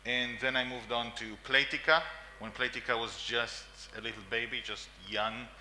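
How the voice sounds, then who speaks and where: This conference speaker is a man in his forties with an Israeli accent, talking in a meeting room at a moderate pace with a mid-range, pushed, bright voice and fairly even intonation. The low-quality recording carries a little hiss or hum, and his emphatic delivery repeats lists amid frequent coughs and fillers.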